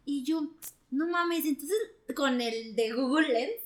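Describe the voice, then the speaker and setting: A young adult woman with a Mexican accent, telling stories in casual chat, animated and quick to laugh and exclaim. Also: sits high. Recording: echoey room.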